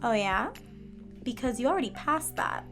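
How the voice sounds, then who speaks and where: A woman's voice: on the high side, lively intonation, normal speed, music in the background, natural voice. A woman playing a sly, helpful hospital nurse in a fiction podcast, self-assured and teasing.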